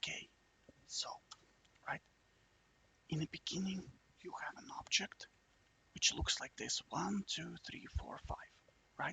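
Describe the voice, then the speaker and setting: The speaker whispers fairly slowly, with long pauses coming often. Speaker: programming tutor. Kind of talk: tutorial. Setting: at home at night. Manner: quiet, whispered.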